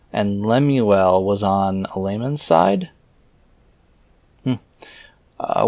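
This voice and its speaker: Reading and commenting on scripture, a man pauses for offhand, wry, skeptical remarks and occasionally mutters while thinking aloud. His medium-pitched voice is a little mellow, with no room sound.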